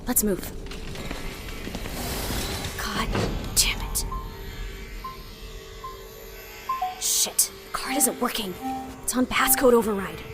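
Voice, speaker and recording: Loud music runs beneath a fairly high female voice. She is a practical heist leader in an audio drama. Her delivery is brisk, terse and commanding. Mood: tense. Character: brisk, practical woman directing a heist crew.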